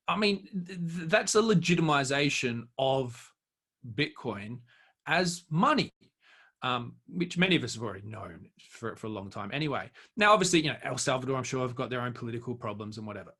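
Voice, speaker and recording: A man's voice: mid-range voice, lively intonation, normal speed, pushed and bright, slightly rough. A man speaking as a guest expert in an interview, giving emphatic, argumentative commentary in an unscripted way.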